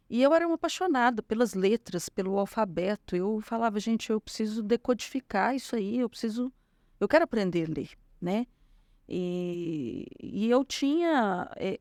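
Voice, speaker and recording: A woman's voice: a little high, dry recording, clean studio sound. Storytelling woman with a Minas Gerais accent. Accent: Minas Gerais Portuguese. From Minas Gerais, Brazil. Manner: warm storytelling with frequent fillers. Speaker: guest. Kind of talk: conversational interview.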